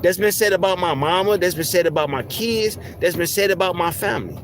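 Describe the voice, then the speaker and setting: A man with a soft, squeaky voice ranting heatedly on a livestream, swearing a lot and stumbling over repeated words. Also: brisk, a little hiss or hum. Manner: heated, profane, repeats words when worked up. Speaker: livestream host. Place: in a car.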